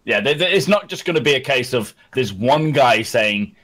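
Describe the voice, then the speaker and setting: A Scottish man chats as host of a casual gaming podcast, middle-pitched and animated. He laughs easily and slips into little acted-out quotes as he explains things. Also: normal speed. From Scotland. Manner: animated, laughs often, acts out quoted lines.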